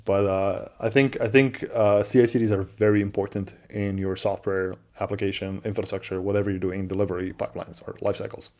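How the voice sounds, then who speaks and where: A man with an accent co-hosting a livestream, answering viewer questions in a relaxed, chatty way with lots of fillers and restarts. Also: lowish voice, fairly quick, hardly any pauses. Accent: non-native English. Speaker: livestream co-host. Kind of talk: casual livestream chat.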